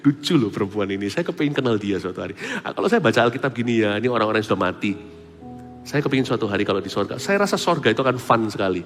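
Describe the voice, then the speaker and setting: A man preaching a sermon as pastor, animated, swinging between loud exclamations and soft asides. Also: on the low side, fast. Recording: preaching hall with long reverb and faint music.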